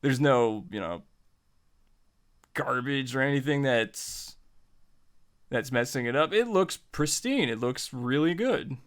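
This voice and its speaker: A man teaches in an informal, chatty tutorial style, with a middling pitch. He leans on repeated phrases to drive points home and talks to the listener directly, as a host would. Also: lively intonation, takes it slowly, long pauses, smooth. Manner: informal, repeats phrases for emphasis, acts out example remarks. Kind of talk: casual, conversational writing lesson.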